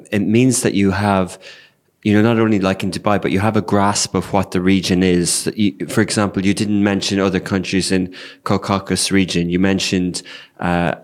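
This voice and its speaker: A man with a deep, low voice interviews a guest in a conversational way. He often repeats the other person's phrases back, then builds his question from there. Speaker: interviewer, host.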